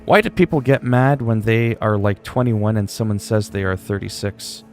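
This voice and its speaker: Chatty low-voiced man in his forties. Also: moderate pace, soft background music. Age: 40s. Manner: rambling, chatty, reads chat aloud and answers. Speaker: livestreamer. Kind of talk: casual livestream chat.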